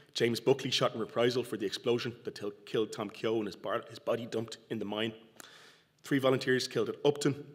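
A man with an Irish accent at a very fast pace, with fairly even intonation and a quiet background. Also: medium pitch for a man, big swings in loudness. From Ireland. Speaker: historian. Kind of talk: lecture. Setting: stage with audience. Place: hall.

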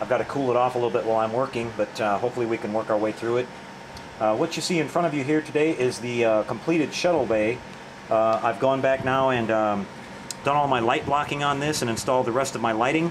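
Over noticeable background noise, a man talks very fast with very even loudness and ordinary pitch variation. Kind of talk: tutorial. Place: workshop.

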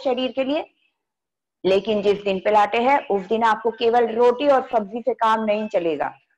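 Her words come very slowly, her pitch varying in an ordinary way. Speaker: fitness instructor. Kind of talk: tutorial. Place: home room.

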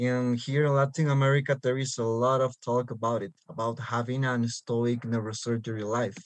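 Against a quiet background, a man speaks at a moderate pace in a dry sound with no echo, his intonation monotone and flat, with hardly any pauses. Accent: Spanish. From Peru. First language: Spanish. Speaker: student society president, moderator; moderator. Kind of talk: moderating online Q&A. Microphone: video call.

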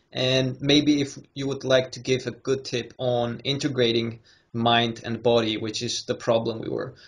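A man talks at a moderate pace in a medium pitch, with monotone, flat intonation. His voice is somewhat breathy, and the background is quiet. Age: 30s. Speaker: fitness podcast host. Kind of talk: interview. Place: home room. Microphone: webcam.

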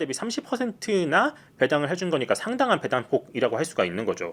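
On a very clean recording with a silent background, a man with a fairly high pitch and vocal fry speaks at a moderate pace with very wide pitch swings. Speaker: financial news reporter. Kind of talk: explainer video on finance. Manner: informative, measured with fillers.

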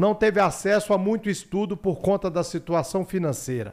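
At a fairly slow pace, a high-pitched man talks with ordinary pitch variation against a quiet background. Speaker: podcast host. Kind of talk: podcast intro and sponsor reading. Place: studio. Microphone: studio mic.

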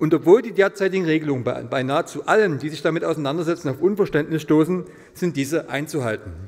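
The background stays quiet. A man rushes along very fast, his intonation lively. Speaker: city council member. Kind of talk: political speech. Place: hall. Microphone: podium.

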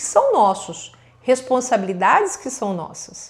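The woman speaks at a fairly slow pace. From Brazil. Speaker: psychologist. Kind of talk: advice monologue to camera. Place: office. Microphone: lapel.

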